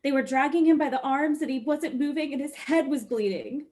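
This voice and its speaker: Distraught young woman, high-pitched and pleading, played by an actress in a dramatic script read. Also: brisk, a little mellow, lightly acted. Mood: shaken, urgent.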